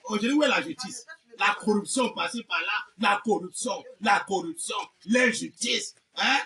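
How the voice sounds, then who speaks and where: A man's voice: very high voice, bright, forceful tone. A man preaching a fiery revivalist sermon, exclamatory and theatrical, insistently repeating phrases and amens. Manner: mocking, theatrical asides. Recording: distant mic with faint background noise.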